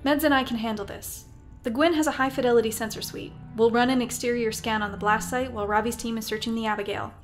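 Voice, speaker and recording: Woman acting fair-minded lady space captain, ex soldier, higher voice, measured and in command, sci-fi audio drama w/ faint music. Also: fairly even intonation, close to an everyday voice. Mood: businesslike. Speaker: captain and defense adjutant.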